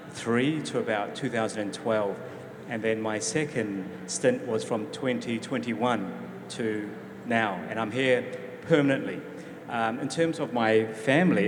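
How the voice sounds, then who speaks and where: A middle-aged man with a New Zealand accent, introducing himself on a conference panel in a measured way with small restarts. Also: lowish voice. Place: large conference hall. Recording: echoey hall, background noise.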